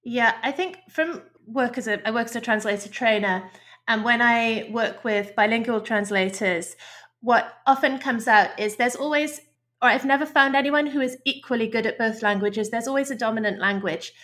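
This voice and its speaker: A woman's voice: a little high, moderate pace, a bit bright. A woman, a podcast guest explaining her ideas in a thoughtful, chatty way, often restarting phrases. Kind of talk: podcast interview.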